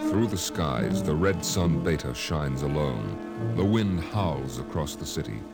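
A man's voice: extremely low pitch, lively intonation, a little slow, exaggerated voice. A man playing a solemn, portentous narrator of doom in a 1950s radio drama. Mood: solemn, foreboding. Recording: old radio recording with loud music.

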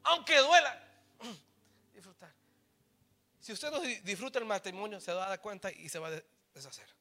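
Bright, high-voiced Latino pastor preaching. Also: male voice, expressive, fairly quick, soft background music. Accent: Latino Spanish. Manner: switches between Spanish and English mid-sentence; swings from loud preaching to quiet, low emphasis. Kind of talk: bilingual sermon.

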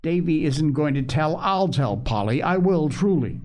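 A man's voice: on the high side, lively intonation, measured pace, darkish tone. A man voicing a nervous, guilty little boy from a storybook, hesitant and repeating himself as he pleads. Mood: alarmed, pleading. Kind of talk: storybook character reading.

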